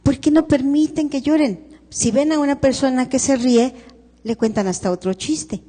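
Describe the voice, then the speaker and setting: Calm Mexican woman grief counselor. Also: high voice, moderate pace. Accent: Mexican Spanish. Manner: calm, instructive, asks rhetorical questions. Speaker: grief counselor leading a workshop. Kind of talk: counseling talk to an audience. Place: large hall at a live workshop. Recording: live stream, long hall reverb.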